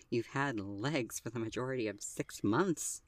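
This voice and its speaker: A performer acting in an audio drama as an anxious, tender young driver with a gentle, hesitant, earnest way of talking. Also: mid-range voice, measured pace, no room sound, close to an everyday voice. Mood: tender, amused.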